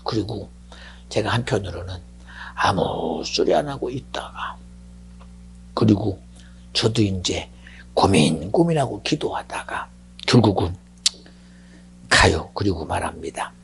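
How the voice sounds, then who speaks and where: A male pastor preaching a sermon in a gravelly, very raspy voice, dropping to hushed whispers and then rising to shouts. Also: sits low, expressive, measured pace, long pauses.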